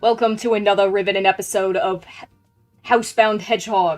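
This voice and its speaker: A woman's put-on character voice in an Australian accent, medium in pitch and fairly quick in pace, with faint music in the background. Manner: dramatic, pompous.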